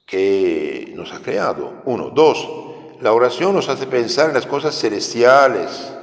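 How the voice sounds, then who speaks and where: A priest teaching catechism with a French accent, preaching in a lively way and asking his listeners questions. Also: on the low side. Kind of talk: catechism sermon. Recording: echoey hall.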